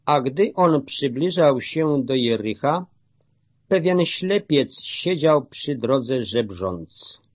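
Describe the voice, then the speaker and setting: A man giving a scripted Bible reading in a measured, solemn manner. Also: medium pitch, expressive, dry recording. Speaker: scripture reader.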